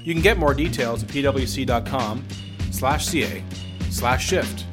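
A man's voice: mid-range voice, measured pace. Upbeat male podcast host, faint music. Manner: upbeat, brief reactions, scripted outro. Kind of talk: podcast interview hosting.

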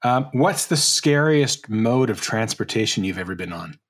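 A man's voice: on the low side, lively intonation, moderate pace. A man hosting a podcast who asks questions, reacts briefly and reads a scripted outro. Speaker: podcast host.

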